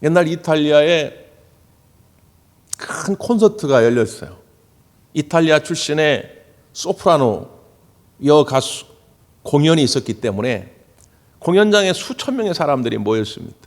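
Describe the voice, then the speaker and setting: A man preaching from the pulpit in a high, lively voice that swoops up and down as he tells stories. His words ring out with the long reverb of a large church hall, picked up through a pulpit microphone. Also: moderate pace, pauses often. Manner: animated storytelling, acts out quoted voices. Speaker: pastor. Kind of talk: Sunday sermon. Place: church sanctuary.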